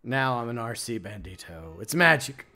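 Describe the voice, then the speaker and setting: A man's voice: medium pitch, very animated, moderate pace, pushed and bright, slight background noise. A man hosting a live game stream, chatting casually and rambling with fillers and asides. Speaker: streamer host.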